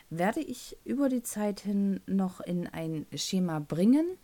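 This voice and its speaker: A woman in her thirties with a Thuringian German accent, hosting her own podcast in a rambling, casual way with fillers and self-corrections. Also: on the low side. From North Rhine-Westphalia, Germany. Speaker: podcast host. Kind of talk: casual solo podcast talk.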